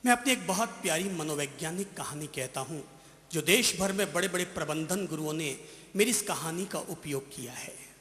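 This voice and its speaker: A man's voice: on the high side, expressive, normal speed, a bit bright. A male preacher giving a dramatic storytelling sermon at a large stadium gathering and quizzing his audience. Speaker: Jain monk preacher. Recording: roomy stadium sound with long reverb.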